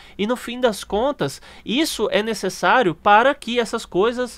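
Speech unfolds fairly slowly. Behind it, all is quiet. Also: man. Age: 30s. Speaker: crypto YouTuber. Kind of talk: monologue commentary.

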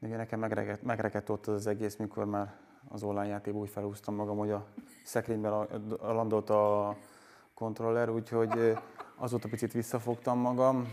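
A man talks at a fairly quick pace with a fairly low pitch. His intonation is flat and monotone, with light noise in the background. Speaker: former footballer. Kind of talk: panel discussion. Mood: amused self-deprecating anecdote. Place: studio.

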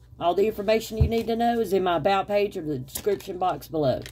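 Music plays behind a woman speaking at a moderate pace. Her pitch is medium and her intonation lively. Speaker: tarot reader. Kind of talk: tarot reading.

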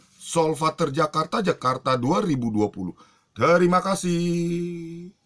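High-pitched man speaking at a very slow pace with hardly any pauses, over a quiet background. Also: ordinary pitch variation. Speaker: poet reading own poem. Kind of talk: poetry reading. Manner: slow, measured, lyrical cadence with long rhythmic repetition; solemn, contemplative. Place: home room. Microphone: webcam.

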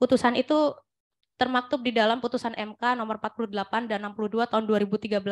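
Against a quiet background, a woman speaks at a high pitch with fairly even intonation. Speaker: doctoral candidate, public prosecutor; candidate. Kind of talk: dissertation defense presentation. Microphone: headset.

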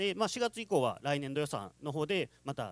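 Speaking at a fairly quick pace, a man with a fairly high pitch makes very wide pitch swings in a dry sound with no echo. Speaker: city government official. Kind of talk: committee testimony. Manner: hesitant, many fillers. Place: meeting room.

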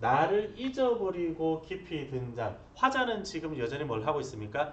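A man's fairly high voice at a very slow pace, with light background noise and audible room echo. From South Korea. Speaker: Korean language tutor; Korean language teacher. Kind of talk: lecture. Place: classroom.

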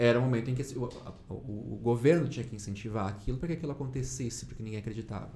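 Somewhat breathy, a man speaks at a very fast pace with fairly even intonation. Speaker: actor and podcast co-owner; actor, podcast co-owner. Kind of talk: casual chat. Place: studio. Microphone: studio mic.

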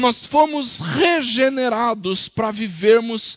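A man's voice against a quiet background. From Brazil. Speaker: Presbyterian pastor. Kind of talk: sermon, preaching with prayer and scripture reading. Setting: church with congregation. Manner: earnest, warm, exhortative; rhetorical questions to the congregation, addressing them as dear ones. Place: church. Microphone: headset.

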